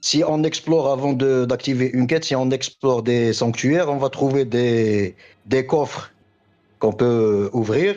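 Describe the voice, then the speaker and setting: The voice has a dark, mellow tone and very even loudness, set against a quiet background. The pace is fairly slow, with ordinary pitch variation. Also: man, medium pitch for a man. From Algeria. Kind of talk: heated debate about video games.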